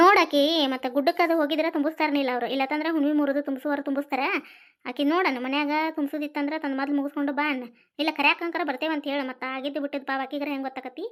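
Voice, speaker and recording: A woman's high pitch with fairly even intonation in a North Karnataka accent. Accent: North Karnataka Kannada dialect. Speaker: village life storyteller, YouTuber. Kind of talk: casual chat about household rituals.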